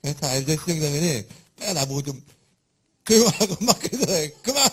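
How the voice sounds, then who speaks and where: A man preaching a sermon in a lively, conversational and humorous way, with a husky voice. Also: fairly high pitch, a little fast.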